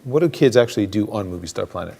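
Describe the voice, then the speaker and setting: Lowish-voiced male panel moderator. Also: expressive, quick pace, vocal fry, mellow. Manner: hesitant, uses many filler sounds. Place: conference stage.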